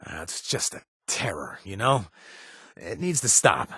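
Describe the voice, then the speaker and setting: A man's voice: fairly low pitch, sing-song, slow, sharp tone, breathy edge, no echo, studio quality, exaggerated voice. An actor playing a chatty, jittery man handing out jobs in a video game, rambling with joking asides and squeamish about bugs. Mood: offhand briefing. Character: jittery, wisecracking male wasteland quest-giver, squeamish. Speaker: companion character in a video game. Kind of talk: studio game voice acting.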